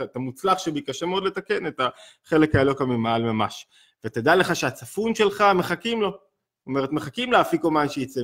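A middle-aged man, giving an animated spoken lesson on Hasidic thought that rises and falls as he teaches. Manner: animated, rising and falling in pitch and loudness.

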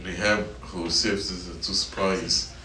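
Male youth teacher, deep bright voice, slow deliberate sermon, recorded from afar in an echoey room with faint noise. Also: flat delivery, far from the mic. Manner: slow, repeats points, asks the students questions. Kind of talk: sermon to middle schoolers. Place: church meeting room.

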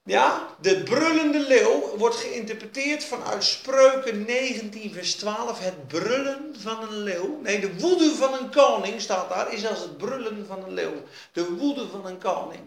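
A man preaching an evening sermon with emphasis, repeating key phrases and dropping to quiet asides. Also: high-pitched, lively intonation, unhurried, creaky. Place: evening church meeting. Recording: echoey hall, faint background noise.

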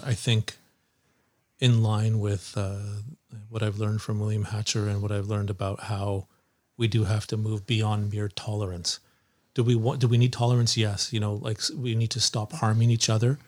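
A man taking part as a guest in a casual conversation, thinking aloud and asking himself questions. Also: on the low side.

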